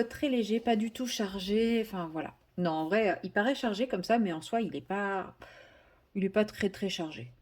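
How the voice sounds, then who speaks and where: A woman's voice: on the high side, a little mellow. A woman chatting casually to viewers while she colours, rambling and correcting herself as she goes. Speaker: vlogger.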